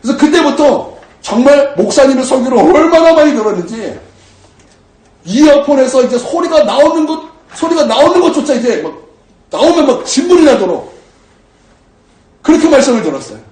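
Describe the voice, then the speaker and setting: Animated high-voiced male preacher. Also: a little fast, roomy sound, far from the mic. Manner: animated storytelling, acting out his own prayers. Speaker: pastor. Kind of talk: sermon. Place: church sanctuary.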